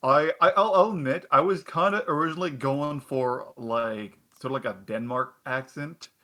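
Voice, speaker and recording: A man with a bright, forceful voice chats casually between turns of a tabletop game. He stammers and restarts often and laughs at himself. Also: medium pitch, moderate pace. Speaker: player. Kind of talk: casual chat between players.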